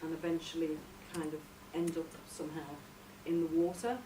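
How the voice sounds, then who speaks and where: A woman informally pitching a story outline in a tentative, halting way, searching for her words. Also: little pitch movement. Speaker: workshop participant presenting a radio drama outline. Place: echoey room, recorded from a distance. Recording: roomy, distant mic, noisy background.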